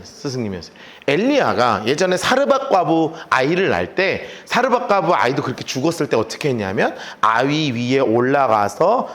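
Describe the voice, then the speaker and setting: A male pastor preaching a sermon, telling the story in an animated way and acting out the characters. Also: mid-range voice.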